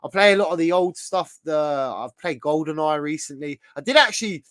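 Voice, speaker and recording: Male streamer, hoarse from a sore throat, slightly high voice, dry close sound, rambling host chatter. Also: expressive, fairly quick, a bit bright, dry recording. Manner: chatty, rambling, thinks aloud while browsing. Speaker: livestream host. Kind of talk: casual livestream chat.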